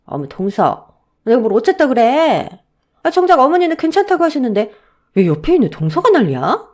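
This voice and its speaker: Woman doing stuck-up older sister-in-law, snippy and talking down, lively voice. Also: on the low side, unhurried, breathy edge, full character voice. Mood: haughty. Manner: sharp, condescending retorts. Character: arrogant elder sister-in-law, snappy and haughty.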